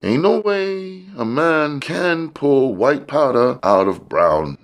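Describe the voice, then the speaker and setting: A man's voice: mid-range voice, animated, takes it slowly, pitched above the performer's own voice. A man voicing a smug, slick drug dealer from a crime audiobook, with boastful, slangy street talk. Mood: smug, persuasive.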